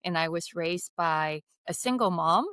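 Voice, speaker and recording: A woman in her fifties from Vietnam tells her story as a podcast guest, lively and full of casual fillers. Her voice is smooth and a little low. The room sound is dry and close. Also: unhurried, no room sound. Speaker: guest, skincare founder.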